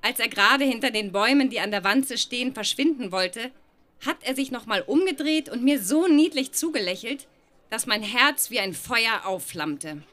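Woman reading her old kid diary on stage, bright higher voice, giggly. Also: animated, normal speed. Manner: amused, often laughing through the text. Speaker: reader at a live show.

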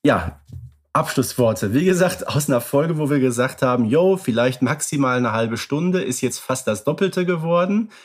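A man co-hosting a podcast in relaxed casual chat, hedging with filler phrases. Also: mid-range voice, normal speed. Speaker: podcast co-host.

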